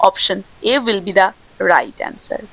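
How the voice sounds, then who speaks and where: A woman teacher with a Bengali accent going through exam questions. She reads each question slowly in English and then explains the answer quickly in Bengali. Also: medium pitch, big pitch swings, sharp tone, dry recording, rough recording.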